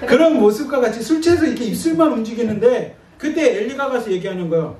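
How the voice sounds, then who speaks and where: A male pastor giving a sermon and reading scripture, talking in a conversational, animated way. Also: extremely high pitch, quick pace. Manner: conversational, animated preaching with acted-out asides. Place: church sanctuary. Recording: echoey church, distant mic, faint noise.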